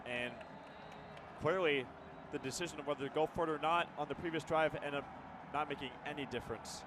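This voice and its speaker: A man giving live football color commentary in a conversational, slightly halting way. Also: a little high, a crowd in the background. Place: outdoor stadium broadcast position. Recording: clear outdoor background noise.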